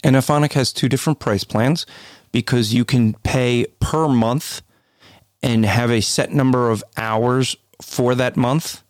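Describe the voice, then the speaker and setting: Deep-voiced man explaining podcast tips. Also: steady tone, measured pace, no echo, studio quality. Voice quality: deep, booming voice. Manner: explanatory, conversational, with restarts. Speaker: podcast co-host. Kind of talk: casual podcast chat.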